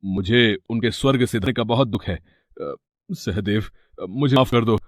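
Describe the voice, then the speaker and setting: A man's voice: on the low side, moderate pace, dry recording, studio quality, natural voice. A man voicing a greedy scheming older brother. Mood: fawning. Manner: wheedling, fake-weeping, then panicked. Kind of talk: cartoon voice acting.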